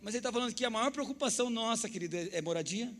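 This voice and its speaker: A male pastor with a Brazilian accent preaching a sermon, animated and acting out little dialogues with the congregation. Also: extremely high pitch, very fast. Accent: Brazilian Portuguese. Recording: echoey church hall with faint music.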